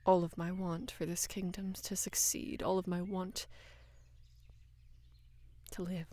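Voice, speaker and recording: In an intimate roleplay audio, a young woman voices a devoted female knight who is in love with her queen, delivering a soft acted monologue in a hushed, breathy, halting way. Her voice is fairly low with little pitch movement, and she sounds tender, earnest, anxious and worried.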